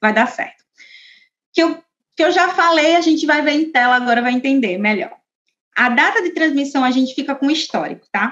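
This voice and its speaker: The woman's intonation is lively. The background is quiet. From Brazil. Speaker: accounting teacher. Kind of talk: online class. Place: home room. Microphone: webcam.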